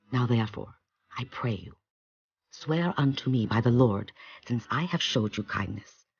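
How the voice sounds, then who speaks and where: Ancient townswoman, played by a man, earnest and pleading, mid pitch, dull recording, scripture drama. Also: lightly acted. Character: Rahab, earnest pleading woman of Jericho. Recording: dull, muffled audio.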